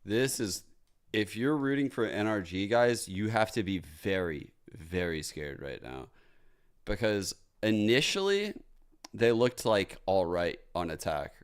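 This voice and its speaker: Male esports co-streamer, lowish voice, very animated intonation, blunt and foul-mouthed, off-the-cuff reactions. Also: unhurried, clean tone. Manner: blunt, sweary, slangy. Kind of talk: casual live match commentary.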